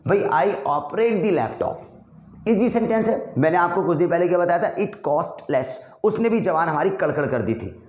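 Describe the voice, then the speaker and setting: Male tutor with a slightly high voice, casual and chatty, drills phrases in a slow, repetitive way. Room echo. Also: lively intonation, darkish tone. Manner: drills practice sentences slowly and repeatedly; chatty, addresses viewers as brother and friend. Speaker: English speaking teacher. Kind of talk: casual spoken-English lesson in Hindi.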